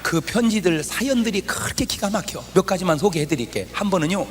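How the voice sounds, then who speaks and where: High, lively-voiced male preacher. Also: quick pace, a little hiss or hum. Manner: animated preaching with rhetorical questions to the congregation; swings between loud exclamations and low asides. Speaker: pastor. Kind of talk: sermon.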